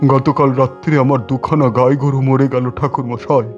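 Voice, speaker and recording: Over plucked guitar-like music, a man acts out an anxious village householder in an audio drama. He is humble and deferential, pleading in a worried way at middle pitch, and the sound is somewhat dull. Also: fairly even intonation, moderate pace, natural voice. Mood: worried, bewildered.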